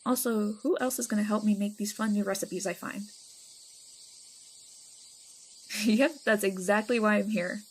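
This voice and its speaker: A woman's voice: medium pitch, steady tone, a little fast, lightly acted. Playful vampire woman, acted out, over night noise. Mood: chatty, caring. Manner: casual, teasing, dramatic exaggeration. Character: playful, chatty, affectionate female vampire friend. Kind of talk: roleplay ASMR audio drama.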